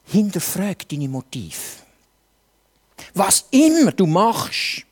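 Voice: medium pitch, sing-song, slow pace, darkish tone, slightly rough. A preacher with a Swiss German accent, delivering a sermon with earnest rhetorical questions addressed straight to the listeners.

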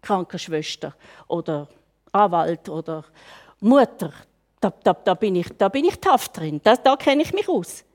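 A woman's voice: medium pitch, expressive, a little slow, darkish tone. An older woman with a Swiss German accent giving a conversational sermon full of rhetorical questions. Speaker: preacher.

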